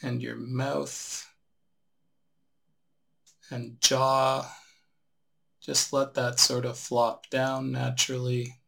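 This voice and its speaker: A man guiding a relaxation meditation as a teacher, giving unhurried instructions with long pauses. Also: mid-range voice, monotone, creaky, pushed and bright.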